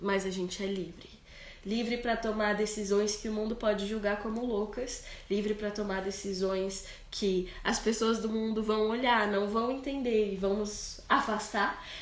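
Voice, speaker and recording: A woman's fairly high, monotone voice at a fairly slow pace, with audible room echo and noticeable background noise. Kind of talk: sermon. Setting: livestream.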